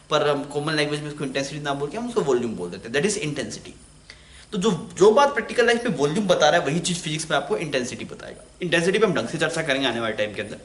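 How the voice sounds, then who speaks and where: A man's voice: fairly high pitch, a bit bright. A man teaching physics in an online lecture, chatty, asking the class questions and answering them himself. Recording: echoey room.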